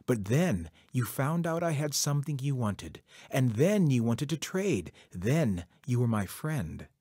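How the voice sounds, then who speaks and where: A man's voice: medium pitch, very animated, unhurried, mellow, slightly rough, dry recording, clean studio sound. A man voicing a vain, scheming trickster coyote from a folktale, whining and pleading with a stammer. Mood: stern.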